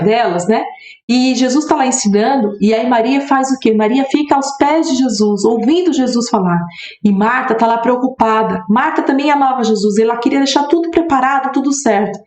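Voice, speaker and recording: A woman's voice: on the high side, darkish tone. A woman with a Brazilian Portuguese accent teaching a Bible lesson to preteens. She explains, asks rhetorical questions and reads scripture aloud. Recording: echoey room.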